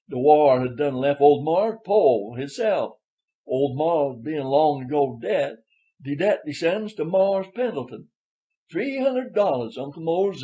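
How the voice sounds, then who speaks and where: Man acting an old Southern countryman, emphatic, high-pitched. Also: warm tone, low-quality recording. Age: older. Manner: folksy dialect, emphatic, earnest. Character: elderly Southern man, former plantation servant, proud and loyal.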